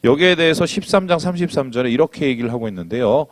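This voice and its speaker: A male pastor preaching a sermon in an animated way, asking the congregation questions and acting out quotes. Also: medium pitch, fast, no echo.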